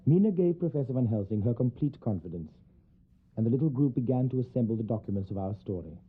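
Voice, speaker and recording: A man playing a sober solicitor who narrates a gothic horror tale in a measured, formal manner. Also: medium pitch, animated, slightly rough. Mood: sober, reflective. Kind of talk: scripted narration in radio drama. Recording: tinny narrow band, music behind. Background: music.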